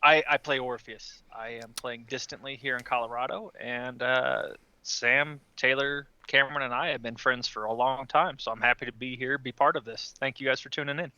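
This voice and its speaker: A man's voice: mid-range voice, steady tone, moderate pace, sharp tone, clean tone, no echo, muffled recording. A man joining a podcast remotely as a player, joking in a droll, rambling, casual way.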